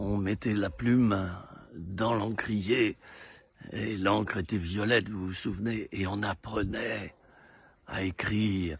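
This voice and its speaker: Somewhat breathy, fairly low male voice at a very slow pace, full of long, frequent pauses. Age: 60s. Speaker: video blogger. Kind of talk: casual monologue to camera. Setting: outdoors in countryside. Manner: animated.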